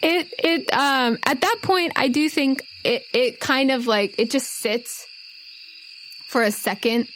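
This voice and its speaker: A woman's voice: high-pitched, slow, a bit bright, slight background noise. A woman narrating casually as game master of a tabletop game, with faint night ambience behind her.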